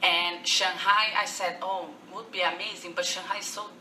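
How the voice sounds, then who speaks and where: A young woman from Brazil with a Brazilian accent, speaking careful, halting English with many restarts as a guest on a radio interview. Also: on the low side, little pitch movement, sharp tone, reverberant, far from the mic, a little hiss or hum, rough recording. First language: Portuguese. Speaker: guest, fencer.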